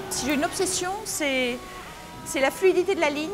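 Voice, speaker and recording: A woman at a fairly quick pace with ordinary pitch variation, audible room echo and music in the background. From France. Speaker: sculptor. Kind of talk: interview; casual chat. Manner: hesitant.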